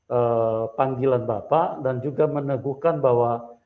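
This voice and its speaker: Measured male host with muffled sound. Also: medium pitch. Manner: slow, measured, with many hesitations. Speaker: interview host. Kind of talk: interview, steady backchannel.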